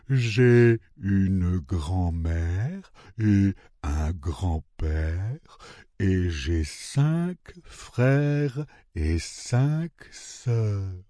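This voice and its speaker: A lonely young sea-creature girl from a children's storybook, her voice lifted high and drawn out slowly in tearful pleading, as a male reader puts her on. The sound is close and dry, with a softened, airy tone unlike the reader's own. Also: no echo. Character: sad young female sea creature with big mouth.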